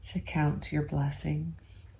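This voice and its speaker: A woman leading an ASMR guided meditation in a soft, gentle, unhurried voice that slips toward a whisper, with long pauses. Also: sits low, little pitch movement, vocal fry.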